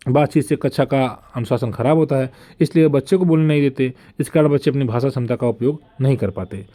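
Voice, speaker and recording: A man's voice: fairly high pitch, mellow. A young man giving an online lecture on language teaching, explaining step by step with frequent check-in fillers. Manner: explanatory, frequent "dekhiye" and "theek hai" fillers.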